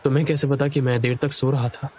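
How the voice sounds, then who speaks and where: A man dubbing a caring young man in a romance drama who speaks calmly and reassuringly. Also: medium pitch, quick pace, a little hiss or hum, lightly acted. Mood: gentle. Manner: calm, gentle, reassuring. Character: caring young man comforting his love. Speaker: male lead in a dubbed romance drama. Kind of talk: dubbed drama acting.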